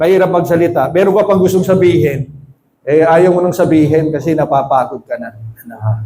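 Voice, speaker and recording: Shouting loudly, a man with a high pitch and a dark, mellow tone uses ordinary pitch variation amid audible room echo. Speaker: pastor. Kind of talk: sermon. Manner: loud, shouting.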